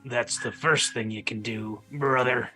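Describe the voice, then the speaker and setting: A man plays a tabletop game with casual improvised role-play. His voice is sharp and forceful, jokingly menacing, over faint music. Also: mid-range voice, steady tone, unhurried, poor audio.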